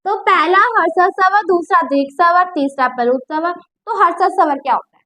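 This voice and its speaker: A woman's voice: extremely high pitch, moderate pace, pushed and bright. A woman teaching a grammar lesson, who explains patiently, repeats her points and checks whether the class understood.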